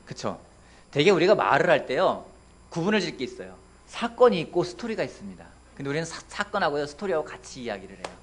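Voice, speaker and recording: Male pastor in his thirties, animated sermon delivery, questioning the congregation. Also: on the high side, fast talker. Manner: lively, asks the congregation questions, playful voices for quotes. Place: church sanctuary.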